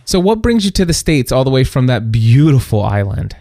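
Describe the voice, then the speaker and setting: Middle-aged male podcast interviewer, jovial and conversational, medium pitch, recorded dry and close. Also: big pitch swings, a little fast, mellow, no room sound.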